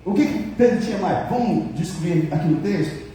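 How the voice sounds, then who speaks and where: Brazilian pastor guy preaching, kinda high voice but dark and mellow, super echoey church hall, sounds far from the mic. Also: animated, brisk, a little hiss or hum. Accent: Brazilian Portuguese. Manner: jokes with the congregation; acts out quoted dialogue. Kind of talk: sermon.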